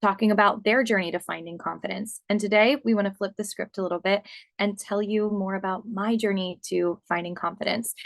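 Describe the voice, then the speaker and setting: A woman's voice: medium pitch, fairly even intonation, brisk, gravelly, no room sound. A young adult woman from Pennsylvania hosting her podcast alone, talking earnestly and encouragingly straight to the listener. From Pennsylvania, USA. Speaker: podcast host and body confidence coach. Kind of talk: solo podcast monologue.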